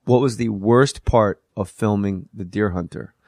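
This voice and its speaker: A man hosting a comedy podcast, teasing his guest in quick, profane banter. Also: fairly low pitch, a little mellow, no echo, clean studio sound. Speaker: podcast host. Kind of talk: casual comedy podcast chat.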